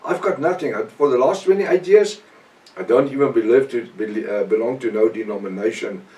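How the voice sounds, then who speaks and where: A middle-aged man, a native Afrikaans speaker with a South African accent, preaches a Bible lesson off the cuff in short, halting, emphatic phrases with repetition. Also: medium pitch, a little mellow. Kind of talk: extemporaneous Bible teaching sermon. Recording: echoey room, distant microphone.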